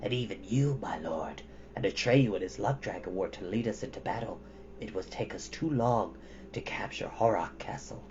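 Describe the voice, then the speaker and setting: A man voicing a grave, deferential blue djinn in a hushed, respectful manner. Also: lowish voice, normal speed, dull audio, a little hiss or hum, voice pushed down, natural voice. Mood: grave warning.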